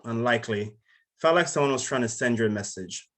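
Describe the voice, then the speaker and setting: A man's voice: mid-range voice, a little fast, a bit bright, close to an everyday voice. A man playing a terse, discontented townsman at a screenplay table read.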